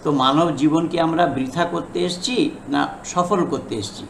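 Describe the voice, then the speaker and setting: A man preaching a didactic sermon as a non-native learner of Bengali, halting and repeating phrases for emphasis. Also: on the high side, creaky. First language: not a native Bengali speaker. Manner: halting learner's Bengali, self-described as broken. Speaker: religious preacher. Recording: echoey room with faint background noise.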